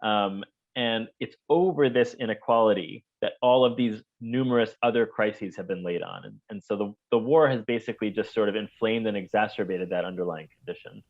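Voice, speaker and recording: A man answering interview questions as a humanitarian policy expert, explaining in a measured way with some ums. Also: on the low side, muffled recording.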